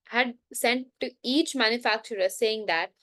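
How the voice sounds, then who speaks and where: A woman's voice: a little high, fairly bright tone, no echo. Woman reading aloud, stumbling. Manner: halting reading with frequent restarts and self-corrections. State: coughing now and then. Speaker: book reader. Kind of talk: unscripted bedtime book reading.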